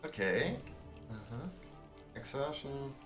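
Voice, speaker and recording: A man's voice: lively intonation, slow, over music. A man streaming a story game, chatting wryly and reading its dialogue aloud. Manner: wry, self-mocking, reads dialogue with raised pitch. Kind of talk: casual let's-play commentary, reading game text aloud.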